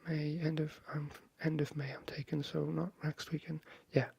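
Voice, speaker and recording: A man speaking softly and breathily, half whispering in a hesitant, friendly ASMR chat into a close microphone. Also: on the high side, little pitch movement, moderate pace, creaky, slightly rough, no echo. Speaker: ASMR video creator. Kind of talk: soft-spoken ASMR, friendly chat roleplay.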